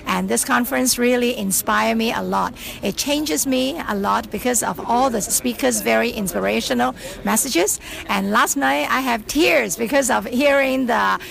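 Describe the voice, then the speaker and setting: Woman, heavy vocal fry, excited attendee. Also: a little high, normal speed, few pauses. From Hong Kong. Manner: excited, earnest. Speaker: convention attendee.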